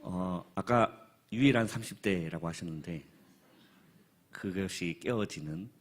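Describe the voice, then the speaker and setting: A man in his thirties, a pastor, giving an earnest spoken report at a church forum, with halting speech and many filler pauses. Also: low voice, heavy background noise. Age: 30s.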